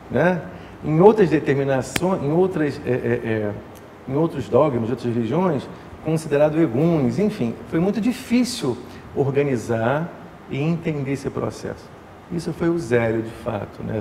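A Carioca man in his forties talks through his beliefs in an indoor temple room, his voice gravelly and mellow. He is thoughtful, pausing on fillers and checking in with tag questions. The sound carries a long room echo and faint hiss. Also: mid-range voice. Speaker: umbanda house leader, guest. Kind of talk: explanatory interview talk.

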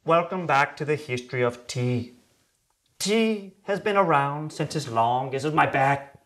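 A man's voice: on the high side, lively intonation, unhurried, a bit bright. A man playing a groaning old tea host. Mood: pained. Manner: strained, groaning, fussy. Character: elderly male tea show host with bad back. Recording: echoey, distant.

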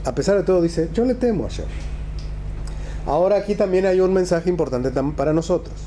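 Mellow older rabbi teaching. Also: male voice, sits high, expressive, fairly quick, a little hiss or hum. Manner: rhetorical questions, emphatic repetition. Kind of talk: religious text class, conversational lecture. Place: small classroom, indoors.

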